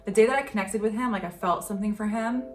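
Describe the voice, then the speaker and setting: A woman's voice: medium pitch, quick pace, far from the mic. A young woman hosting her channel, chatting casually about how she met her partner, with lots of fillers and laughter. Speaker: channel host. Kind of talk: casual couple chat. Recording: roomy echo, faint music.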